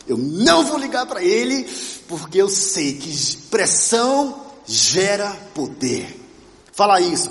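A man from Brazil preaches a testimony sermon with a light, high voice. He tells his story with animation and turns to ask the congregation questions. His voice rings out in a hall with a long echo. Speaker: pastor. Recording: reverberant church hall.

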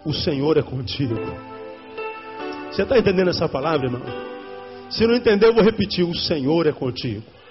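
A man's voice: on the high side, lively intonation, a little fast, long pauses. A male pastor preaching a sermon, addressing the congregation directly and repeating key lines for emphasis. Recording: dull lo-fi sermon recording with faint music.

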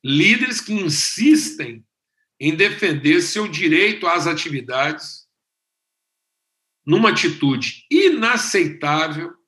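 A Brazilian man preaching as a pastor, talking in a conversational way with animated emphasis. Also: fairly high pitch, slow pace, roomy sound. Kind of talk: sermon.

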